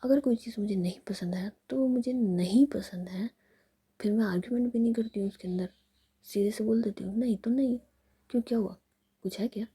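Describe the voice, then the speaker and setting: A coaxing, doting young woman who pleads and teases her sulking partner, whispered by a woman telling a love story. The whispered role-play is breathy and gravelly, with a deep mellow tone. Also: brisk.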